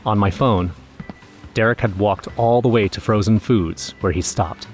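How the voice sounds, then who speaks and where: A man's voice: fairly low pitch, normal speed, faint music behind, lightly acted. An actor playing an anxious young man who narrates his own horror story in a scripted audio drama. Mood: dread. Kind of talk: first-person scripted horror narration with acted dialogue.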